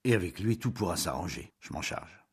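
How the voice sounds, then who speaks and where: A furious blustering young husband. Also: male voice, low-pitched, expressive, a little fast, slightly rough, full character voice. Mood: stern. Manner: shouting, indignant.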